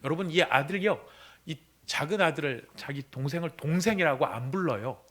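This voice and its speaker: A man preaching a sermon as senior pastor, dramatic, dropping to hushed whispers and rising to loud outbursts. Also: fairly high pitch, expressive, a little fast. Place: church sanctuary.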